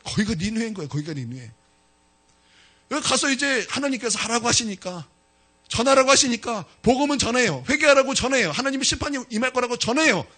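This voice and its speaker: A male pastor preaching a sermon in church, retelling a story in an animated way and talking directly to his congregation. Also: extremely high pitch, quick pace.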